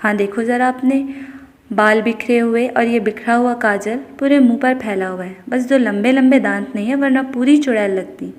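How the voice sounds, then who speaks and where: A woman voicing a devoted young husband who speaks softly and tenderly, coaxing and teasing. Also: on the high side, in a large hall, lightly acted.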